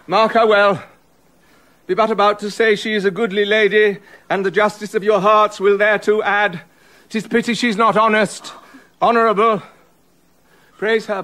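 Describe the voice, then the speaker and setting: Brief: a jealous, bitter king in a verse radio play; high, bright, forceful voice. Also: full character voice. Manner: bitter, accusing, swinging from loud to hushed. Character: jealous, raging older king. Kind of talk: classic stage verse drama, radio play.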